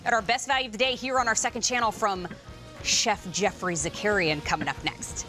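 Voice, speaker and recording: A woman's voice: mid-range voice, fairly even intonation, fairly quick, over music. Chatty, upbeat woman home shopping host. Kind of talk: live home shopping sales presentation. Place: TV studio kitchen set.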